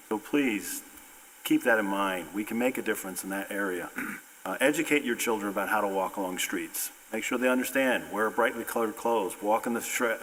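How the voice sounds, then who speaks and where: A man with a lowish voice talks in a folksy, earnest way at a town council meeting. His words ring out in a hall with a long reverb. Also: a bit bright. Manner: folksy, earnest, repeats himself. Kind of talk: council member comments.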